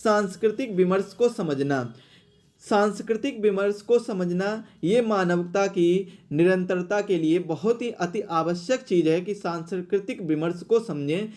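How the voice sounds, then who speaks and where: A man's voice: high voice, unhurried, darkish tone. A man teaching an exam question-and-answer lesson, explaining and repeating phrases for emphasis.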